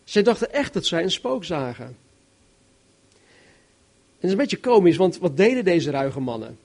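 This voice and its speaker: A man preaching a sermon, reading Bible verses and explaining them in an animated, emphatic way, swinging between loud and soft. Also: sits high, normal speed, vocal fry. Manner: animated, emphatic, varies loudness widely.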